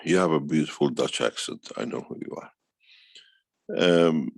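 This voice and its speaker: Very deep, gravelly man speaking off the cuff. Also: unhurried, no echo, studio quality. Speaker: foundation speaker answering questions. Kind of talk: unscripted talk, answering a question in an online meeting.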